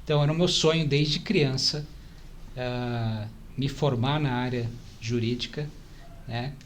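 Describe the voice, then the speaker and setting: A man's voice: mid-range voice, a little slow. São Paulo man in his forties, background noise. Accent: São Paulo Brazilian. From São Paulo, Brazil. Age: 40s. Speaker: podcast guest, church stake president. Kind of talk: casual interview chat.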